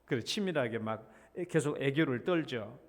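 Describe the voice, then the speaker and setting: A man's voice: medium pitch, animated, normal speed, big-room sound. A middle-aged man, a senior pastor, preaching a sermon in a storytelling way, acting out a child's pleading and his own pretended reluctance. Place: church sanctuary.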